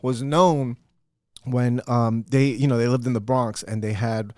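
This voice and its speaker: A middle-aged man with a deep voice, telling loud, profane family stories in a casual podcast chat. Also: moderate pace, no echo, studio quality. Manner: loud, profane, animated storyteller. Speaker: podcast host.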